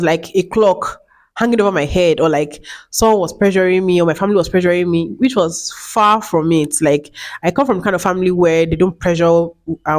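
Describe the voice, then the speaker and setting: A woman in her late twenties talking casually to camera as a vlogger, chatty and repeating herself, with many fillers. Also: fairly low pitch. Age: 20s.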